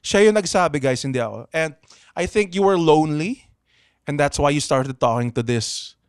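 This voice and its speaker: A man's voice: a little high, lively intonation, normal speed, clean tone, no echo, studio quality. A young man with a Pangasinan accent hosting a comedy podcast, reading listener letters with a lot of swearing and laughter. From Philippines. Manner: swears freely, laughs often, code-switches. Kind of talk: casual comedic podcast chat.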